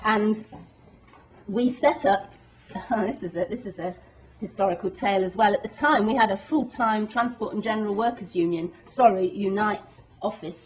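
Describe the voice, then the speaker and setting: Woman activist, public talk, earnest and emphatic, lots of restarts, middle pitch, dull lo-fi recording. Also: normal speed. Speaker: activist speaker. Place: meeting hall.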